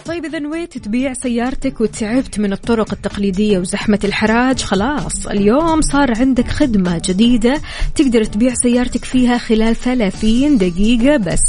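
A woman with a Saudi accent presenting live radio and contests, addressing listeners directly in an upbeat announcer delivery. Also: fairly high pitch. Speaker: radio host. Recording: music playing behind the voice. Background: music bed.

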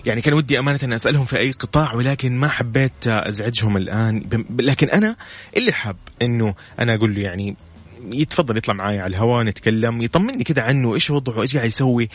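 A man's voice: medium pitch, animated, rapid-fire. A man hosting a morning call-in radio show with a Saudi Hejazi accent, chatty and effusive, repeating his words of praise into a studio microphone. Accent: Saudi Hejazi Arabic. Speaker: radio host.

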